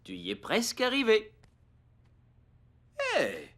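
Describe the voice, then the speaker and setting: Good-natured cartoon father, hugely swooping pitch, unhurried delivery, good-humored. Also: huge pitch swings, a bit bright, slight background noise, heavily acted. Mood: friendly. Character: good-natured, easily fooled father of a young boy. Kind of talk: French-dubbed preschool cartoon acting.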